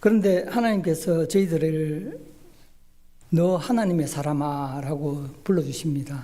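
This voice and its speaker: The voice has a dark, mellow tone, ordinary pitch variation, and a moderate pace, with audible room echo. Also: man. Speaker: church elder giving a devotional. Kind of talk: sermon; reading aloud. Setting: church. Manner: halting.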